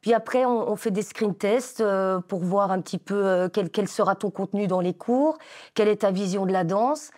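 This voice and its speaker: Brief: woman, 40s, dance teacher being interviewed, eager but halting delivery, middle pitch. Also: a little mellow. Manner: hesitant, many fillers, enthusiastic. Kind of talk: interview answers.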